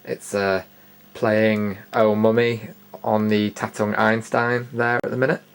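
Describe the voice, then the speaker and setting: Speaking in a measured, flat way, this British video host has a low-leaning voice that's clear and resonant. He gives an unscripted show-and-tell tour, plainspoken and wryly opinionated, from an indoor studio room where background noise is noticeable.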